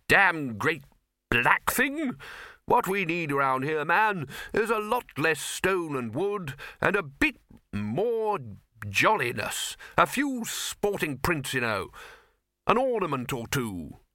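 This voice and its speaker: A man plays a gruff old wizard in charge in a comic fantasy storybook. He is bossy and brusque, barking in clipped phrases. The voice rides high and forceful, with big swings in pitch. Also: very animated, takes it slowly, dry recording, clean studio sound, full character voice. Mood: blunt, brisk. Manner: blunt, clipped, brusque, hectoring. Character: gruff, blustering, bossy old male wizard Arch-Chancellor.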